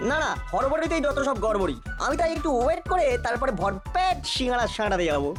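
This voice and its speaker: A woman voicing an excitable, food-loving ten-year-old boy in a comedy cartoon, dramatic and playful. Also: high voice, fast, over music. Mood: grumbling, scheming. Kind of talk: animated comedy cartoon acting.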